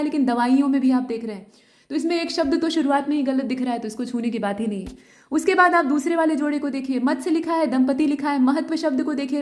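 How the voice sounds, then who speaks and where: A woman with a high, light voice works through exam questions as a teacher. She explains steadily and often stops to confirm that each point is clear. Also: a little mellow. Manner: explanatory, repeats points with frequent checks. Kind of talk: exam answer key explanation.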